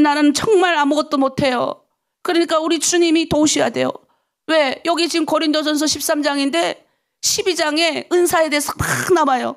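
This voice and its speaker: A middle-aged woman pastor delivers a dawn prayer sermon in a high-pitched voice. Her voice carries a gravelly, fry-laden edge. She preaches emphatically, mixing rhetorical questions with stories from her own life.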